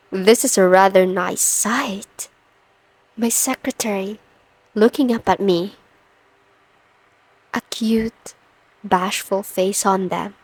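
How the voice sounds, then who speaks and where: Woman acting as confident female boss, slow deliberate delivery, commanding, teasing, coaxing, intimate ASMR roleplay, close dry sound. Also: mid-range voice, a little mellow, slightly rough, dry recording. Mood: smug, seductive. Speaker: audio roleplay performer.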